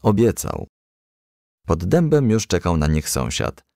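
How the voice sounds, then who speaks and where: A man narrating a children's storybook with expressive, animated delivery. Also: deep voice, a little slow, creaky, no room sound, clean studio sound. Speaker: audiobook narrator.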